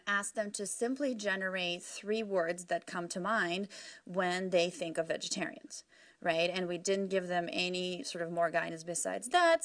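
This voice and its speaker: A woman researcher explaining her work in an informal interview, discursive and often hedging as she goes. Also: medium pitch. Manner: discursive, hedging with "sort of" and "you know".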